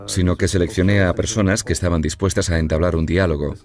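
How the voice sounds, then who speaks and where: A man, organizer of dialogue meetings, explaining his project calmly in a dubbed interview. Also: deep voice, fast talker.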